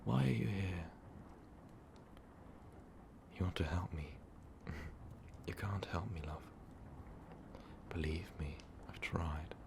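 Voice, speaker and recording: A man playing an ancient, brooding vampire overlord in an intimate ASMR roleplay, speaking in a weary, halting, breathy whisper. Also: background noise. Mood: weary, resigned. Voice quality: breathy, gravelly low whisper. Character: ancient, brooding male vampire overlord, tormented former rebel.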